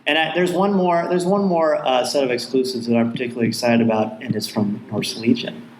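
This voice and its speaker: A man's voice: medium pitch, brisk. A man hosting a live podcast on a convention stage, emceeing a raffle in an upbeat way. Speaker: podcast host. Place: large convention hall stage with live audience. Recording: echoey convention hall, loud background noise.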